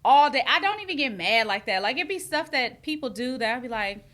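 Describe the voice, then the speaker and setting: A woman hosting a podcast in casual chat, affirming her guest with quick agreements. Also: high-pitched, expressive, fairly bright tone. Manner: affirming, chimes in with short agreements. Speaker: podcast host.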